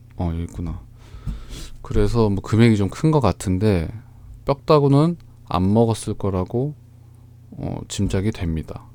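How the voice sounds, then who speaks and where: A man's fairly low, dark and mellow voice, calm in tone, very slow, with lively intonation. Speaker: used car reviewer / channel host. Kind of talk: casual talk to camera, sleep-friendly used car review. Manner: slow, calm, soft-spoken.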